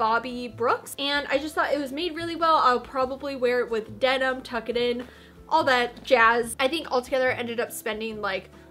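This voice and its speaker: The voice is raised and projected, moving at a moderate pace with ordinary pitch variation. Faint music plays in the background. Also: woman. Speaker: fashion vlogger. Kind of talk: casual vlog chat. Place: home room. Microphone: camera far.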